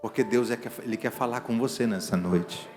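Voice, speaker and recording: A middle-aged man, preaching an evangelical sermon in emphatic bursts that swing between hushed and loud. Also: medium pitch, a little fast. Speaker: pastor. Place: church sanctuary. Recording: reverberant hall with faint music behind.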